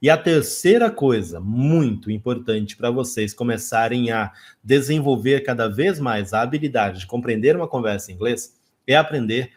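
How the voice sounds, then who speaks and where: A Brazilian man with a Brazilian Portuguese accent teaching English to camera, animated and emphatic as he demonstrates English phrases. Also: mid-range voice. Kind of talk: online English lesson.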